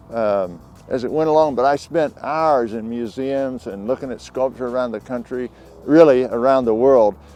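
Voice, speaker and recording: At a fairly quick pace, a man with an American accent talks at a medium pitch over music in the background. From Kansas. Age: 70s. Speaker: sculptor and glass artist. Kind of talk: interview monologue. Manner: casual, hesitant with fillers.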